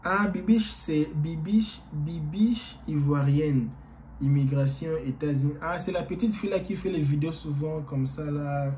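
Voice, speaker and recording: Speaking to his YouTube audience, a native Portuguese-speaking man chats casually, halting and wandering with plenty of fillers. His voice sits a little high and sounds mellow. A little hiss or hum is audible.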